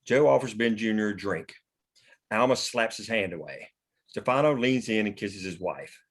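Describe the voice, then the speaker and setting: A man with a fairly low voice narrates a screenplay at a table read. He reads out scene headings and action as scripted narration. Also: lively intonation, normal speed. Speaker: screen direction reader.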